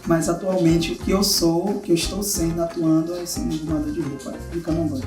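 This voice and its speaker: A trans man in his twenties from Salvador, introducing himself in a steady, measured way in a documentary interview. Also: fairly high pitch. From Salvador, Brazil. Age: 20s. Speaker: clothes ironer. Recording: roomy sound with music underneath.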